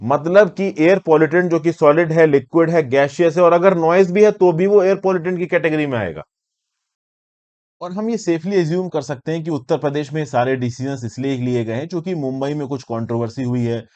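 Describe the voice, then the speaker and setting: Through a muffled recording comes a brisk, darkish-toned voice on the high side. The speaker, an Indian-accented presenter of current affairs lessons, gives exam students an explanatory lecture in a conversational, teacherly manner, using English terms and throwing out questions.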